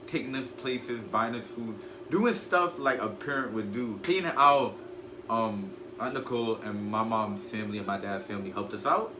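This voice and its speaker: A fifteen-year-old boy from Guyana answering interview questions in an outspoken, talkative way. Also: fairly low pitch. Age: teens. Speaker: student guest. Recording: echoey room with noise.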